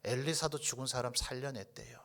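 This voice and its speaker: A man's voice: medium pitch, fairly even intonation, fairly quick, sharp tone. A male pastor preaching a Sunday sermon into a microphone in a church, emphatic and questioning the congregation. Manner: drops to a whisper for tender points. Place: church sanctuary.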